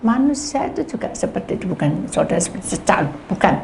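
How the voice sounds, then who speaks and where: A middle-aged woman pastor, preaching in animated storytelling that swings between loud bursts and whispers. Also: on the low side, fast, creaky, slight background noise. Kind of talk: sermon.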